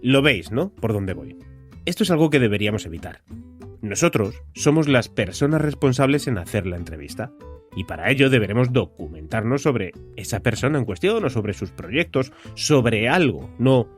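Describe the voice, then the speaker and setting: Spanish man podcasting, animated intonation. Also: mid-range voice, moderate pace, faint music behind. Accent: Spain. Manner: direct address to listener with rhetorical questions. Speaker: podcast host. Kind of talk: conversational solo podcast monologue.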